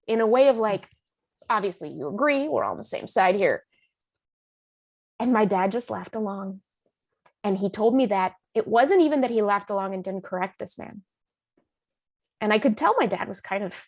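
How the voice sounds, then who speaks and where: A woman author being interviewed, speaking in an animated, emphatic and informal storytelling way. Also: a little high, dry recording. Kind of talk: conversational storytelling in a public talk.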